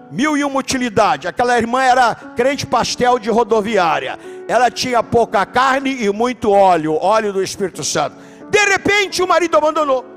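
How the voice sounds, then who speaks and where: A man with a Brazilian Portuguese accent, a pastor telling stories in an animated sermon and shouting at key points. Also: very high voice. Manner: animated preaching, shouts for emphasis. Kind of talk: sermon with storytelling. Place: church.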